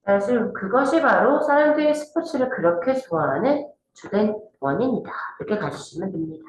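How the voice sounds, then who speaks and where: A woman's voice: medium pitch, animated, fairly quick. A woman teaching an exam-prep English grammar lesson, often checking in with her students. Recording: very echoey room with faint noise.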